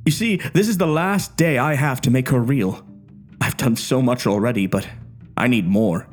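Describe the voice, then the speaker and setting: A man reading a story aloud, voicing an obsessive, unhinged doctor who speaks with quiet menace. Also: mid-range voice, moderate pace, soft background music, lightly acted. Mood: menacing.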